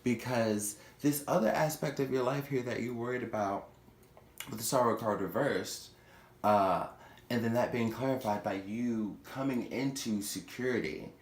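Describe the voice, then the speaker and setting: A man giving a chatty tarot reading, with playful asides and quick self-corrections. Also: mid-range voice. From Houston, Texas. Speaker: tarot reader. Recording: echoey room with faint noise.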